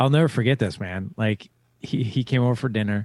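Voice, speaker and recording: A man with an ordinary speaking voice speaks at a medium pitch and a moderate pace. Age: 40s. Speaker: podcast host and men's mentor, guest. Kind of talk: interview conversation.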